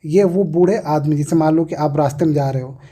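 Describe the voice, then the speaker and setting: In a warm, mid-range voice that's a little fast, a teacher walks through an English reader lesson by asking and answering questions while repeating the key words.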